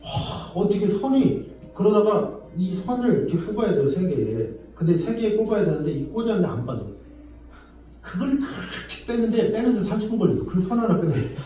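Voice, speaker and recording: Male pastor telling a story in his sermon, lots of exclaiming, mellow tone, booming echoey room, mic kinda far. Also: very animated, a little fast. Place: church sanctuary.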